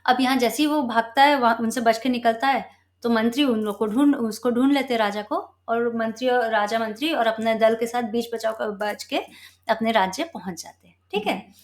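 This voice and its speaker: Woman with a slightly high voice telling a moral story in a loose, halting, chatty way. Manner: conversational, halting with fillers and self-corrections. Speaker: spiritual storyteller.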